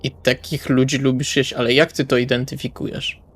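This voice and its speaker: A man's voice: medium pitch, fairly even intonation, brisk, husky, natural voice. A man playing a blunt, exasperated male vampire in an improvised tabletop roleplay, speaking colloquially and hesitantly, with music behind him. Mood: practical, impatient. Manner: colloquial, swearing, hesitant phrasing.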